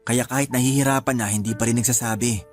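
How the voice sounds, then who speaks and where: An actor playing a calm young man who can see lost spirits, speaking in a steady, reassuring way. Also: medium pitch, fast, close to an everyday voice. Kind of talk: radio drama acting. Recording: soft music underneath.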